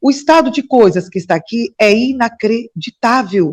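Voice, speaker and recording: A woman's high-pitched voice with lively intonation, in a dry, close sound with no echo. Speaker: retired judge and political candidate. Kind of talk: interview.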